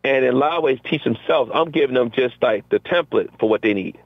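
A middle-aged man talks as a teacher guest on a call-in interview, lively and acting out the voices of his students and himself. His voice comes through a narrow, tinny phone line. There is no room echo at all. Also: medium pitch, fairly quick, husky. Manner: energetic, acts out quotes from classroom exchanges. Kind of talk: conversational interview.

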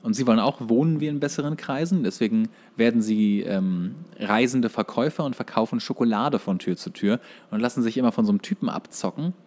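A man co-hosting a podcast in casual conversation, often halting as he searches for words. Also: mid-range voice, darkish tone. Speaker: podcast co-host. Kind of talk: casual podcast chat about cartoons.

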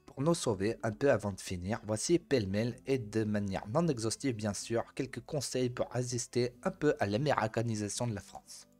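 A man's voice: mid-range voice, moderate pace, few pauses, darkish tone, soft background music. A man reading an article aloud as host, breaking off to joke at the guest.

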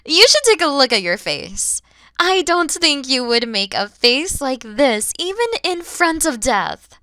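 Woman voicing a bright, expressive motherly dragon lady. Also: sits high, unhurried, full character voice. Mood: teasing. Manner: expressive, teasing, gentle, addressing the listener directly. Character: kind motherly dragon woman, mature, playful, easily flustered. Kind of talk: ASMR audio roleplay acting.

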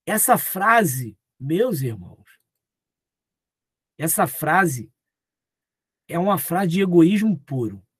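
A man's voice: a little high, very animated, slow pace, pauses often, fairly bright tone, breathy edge, dry recording, studio quality. A man preaching at a live Bible study, talking conversationally and acting out little dialogues. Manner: conversational, acts out quoted dialogue.

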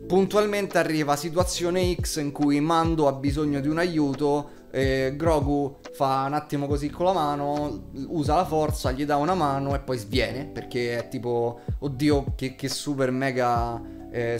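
Young male vlogger, twenties. Mid-pitched, informal, slangy review delivery over clear guitar music. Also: fairly even intonation, moderate pace, few pauses. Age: 20s. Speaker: YouTube reviewer. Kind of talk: casual spoken TV series review. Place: small home room with shelves, indoors. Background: background guitar music.

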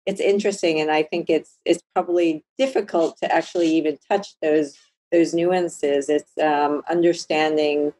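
A woman's voice: low-pitched, fairly even intonation, normal speed, dark tone, dry recording. A middle-aged woman coach on a video call, musing aloud and agreeing with others, with many "you know"s. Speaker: master coach, panel guest. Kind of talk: panel discussion.

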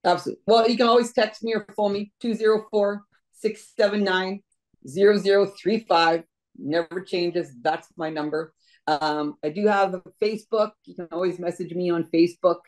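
A woman's voice: fairly low pitch, fairly even intonation, normal speed, a little mellow, poor audio. Earnest woman candidate on a video call. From Canada. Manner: earnest, repeats words, speaks from the heart. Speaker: deputy mayor, election candidate. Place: home room indoors. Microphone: laptop webcam on video call.

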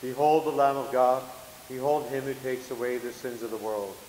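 A man, a Catholic priest, reciting liturgical prayers in a solemn, measured way. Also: mid-range voice, steady tone, darkish tone. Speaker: Catholic priest celebrating Mass. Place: large church sanctuary at the altar. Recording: echoey church, long reverb, hiss.

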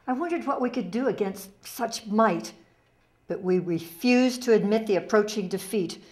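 A steadfast ghetto fighter read by an older woman remembers in a dramatic reading. The voice is mid-pitched, grave and deliberate, with a reflective bearing. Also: a little mellow, close to an everyday voice.

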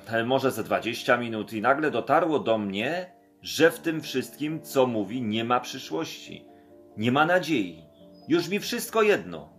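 A man reading an audiobook chapter aloud, voicing the quoted dialogue expressively in his own voice. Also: mid-range voice. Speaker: audiobook narrator. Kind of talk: scripted audiobook narration.

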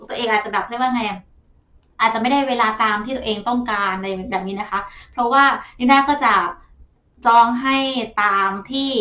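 A woman's voice: a little high, sharp tone, far from the mic. Chatty tarot reader woman, echoey room. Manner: chatty and frank, with many polite particles. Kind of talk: casual talk to viewers while drawing cards.

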